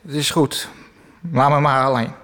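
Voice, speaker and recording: A man's voice: medium pitch, flat delivery, moderate pace, pushed and bright, natural voice. An actor playing a gloomy, self-pitying man who sells ads from a newspaper's basement, speaking in a mournful, passive-aggressive way. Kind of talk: radio comedy acting. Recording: long reverb.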